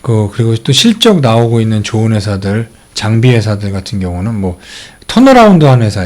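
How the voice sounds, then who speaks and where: A middle-aged man walks through stock charts in a casual, chatty way, leaning on fillers as he goes. His pitch swings freely, rising and falling as he makes each point. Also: a little mellow. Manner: explains charts step by step with many fillers. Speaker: stock channel host. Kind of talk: casual stock market commentary.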